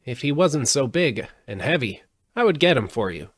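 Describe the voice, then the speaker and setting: A man voicing a kind, brisk female stork with a matter-of-fact manner in a storybook reading. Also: mid-range voice, sing-song, husky, no echo, clean studio sound, voice pushed up. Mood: doubtful but willing. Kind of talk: storybook character voice in audiobook.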